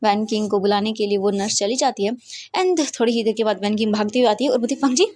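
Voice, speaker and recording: A woman's voice: medium pitch, fast talker, a little mellow, no room sound. A woman casually narrating her own fanfiction story, chatty and mixing in English words.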